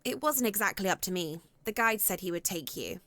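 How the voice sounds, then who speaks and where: A woman's voice: mid-range voice, animated, a little fast, a bit bright, no room sound. An actress playing a reserved but resilient young woman in a visual novel, polite and tentative.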